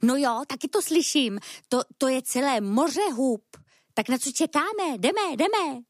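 An eager young rabbit from a children's storybook, excited and insistent, his voice perched high and leaping all over the place, as a woman puts him on. The sound is close and dry, with no room around it. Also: dry recording. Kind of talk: storybook reading.

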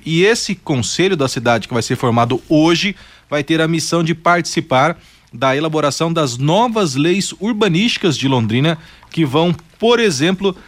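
Brazilian man giving a live radio report. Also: on the high side. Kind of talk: live explanatory news report.

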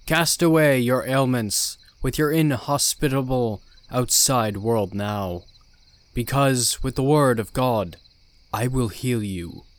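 A man voicing a charismatic male cult prophet in his forties, preaching slowly with an authoritative yet kind tone. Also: mid-range voice, no room sound, lightly acted. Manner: slow, authoritative sermon-like delivery.

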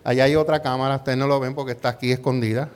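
A man's voice: mid-range voice, steady tone, very fast, smooth. A middle-aged male pastor preaching a conversational sermon built around a personal story. He keeps asking rhetorical questions, tags his points with "¿verdad?", and slips English words into his Spanish.

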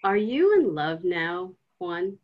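An actress playing a young woman in grad school who interviews and gently teases the man she loves. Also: on the low side, slow pace, dull audio. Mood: probing. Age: young adult. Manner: lively, probing, gently mocking.

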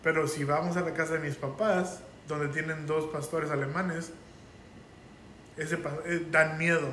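A man's voice: on the high side, a little slow, roomy sound, slight background noise. A man from Mexico with a Mexican Spanish accent, telling anecdotes animatedly in casual podcast chat. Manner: animated storyteller.

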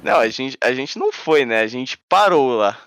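A man's voice: mid-range voice, very animated, normal speed, fairly bright tone, clean tone, no echo. A man joking in slang on a casual group call. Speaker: co-host reading questions.

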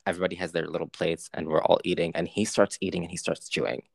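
A young man chatting casually and telling a story, with lively, swearing storytelling and frequent laughs. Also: low voice, fast, vocal fry, dry recording, clean studio sound.

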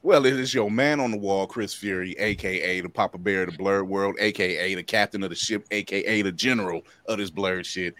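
A man's voice: low-pitched, fairly even intonation, fairly quick, few pauses, a bit bright, no echo. A man on a podcast panel, talking in a boastful, playful way. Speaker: podcast co-host. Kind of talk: casual podcast chat.

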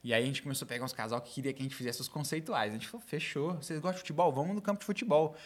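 A man, a videomaker guest, telling animated stories in a casual podcast chat and swearing casually. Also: fairly high pitch, racing.

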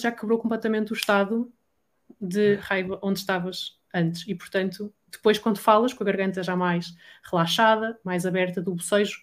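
A woman with a European Portuguese accent, a voice coach explaining techniques in an energetic, chatty podcast conversation. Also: medium pitch. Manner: energetic, explanatory, acts out quoted dialogue. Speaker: voice coach guest. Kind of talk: casual podcast chat.

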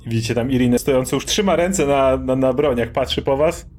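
A man's voice: mid-range voice, brisk, a little mellow. A man narrating a tabletop game as game master, in a plain, matter-of-fact way.

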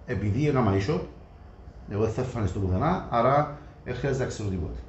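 A man's voice: mid-range voice, animated. A man with a Greek Cypriot accent in casual, colloquial discussion, explaining his views conversationally. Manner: colloquial, acts out imagined customer dialogue. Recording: echoey room, muffled, faint noise.

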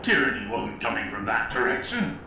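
A man's voice: mid-range voice, very animated, fairly quick, pushed and bright, exaggerated voice. An actor playing a bitter, pompous older writer, narrating his own story in a scornful way in an audio drama. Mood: wry, regretful. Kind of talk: dramatic first-person narration. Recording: very echoey, distant from mic, faint noise.

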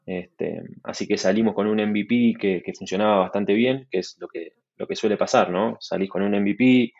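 A man's voice: lowish voice, normal speed, creaky, lo-fi sound. A man from Argentina with an Argentine accent, a startup manager talking easily as an interview guest with many restarts. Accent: Argentine Spanish. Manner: relaxed, fluent, many restarts and fillers. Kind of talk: conversational interview.

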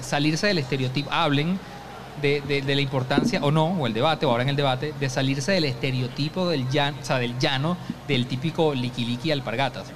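A man with a Venezuelan accent hosting a podcast, talking casually and tripping over repeated words. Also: mid-range voice. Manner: rapid, stumbling, repeats words. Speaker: podcast host. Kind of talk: casual conversation. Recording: noisy recording.

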